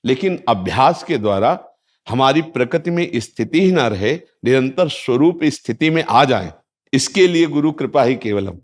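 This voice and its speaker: A man giving a calm spiritual discourse, reciting Sanskrit verses and affirming listeners often. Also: medium pitch, moderate pace. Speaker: spiritual teacher.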